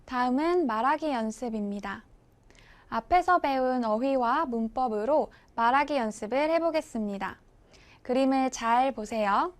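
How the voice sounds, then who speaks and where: A woman's voice: high-pitched, measured pace. A woman teaching a beginners' language lesson, patiently modelling phrases and inviting learners to repeat after her. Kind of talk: slow, clear classroom instruction.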